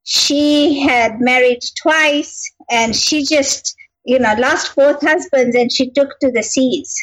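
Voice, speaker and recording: A middle-aged woman from Kenya talks about her life as an interview guest. Her voice sits high, and she tells her story in a reflective way. She laughs now and then and fills her talk with "you know". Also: takes it slowly, fairly bright tone, rough recording.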